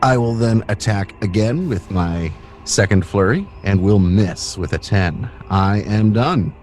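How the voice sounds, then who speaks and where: Man, lowish pitch, tabletop player, casual, matter-of-fact, faint background music. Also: lively intonation, a little slow, a little mellow. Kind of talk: casual game-table talk.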